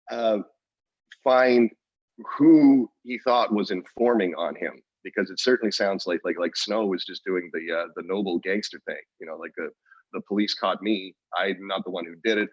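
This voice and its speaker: A man's voice: sits low, moderate pace, dry recording, muffled recording. A man co-hosting a podcast, telling a story in casual chat with lots of restarts and fillers. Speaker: podcast co-host.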